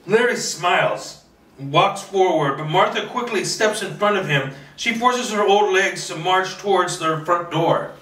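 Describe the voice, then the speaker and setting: Man, bright forceful voice, informal script reader with occasional stumbles, echoey room, slightly off-mic. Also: sits high, animated, measured pace. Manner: stumbles and repeats words while reading. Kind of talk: informal screenplay table read, narrating action. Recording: roomy echo, distant mic.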